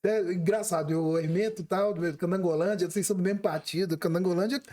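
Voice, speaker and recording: Homem de voz aguda e brincalhona. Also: male voice, high voice, quick pace. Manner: joking, teasing, animated. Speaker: podcast host. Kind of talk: casual interview chat.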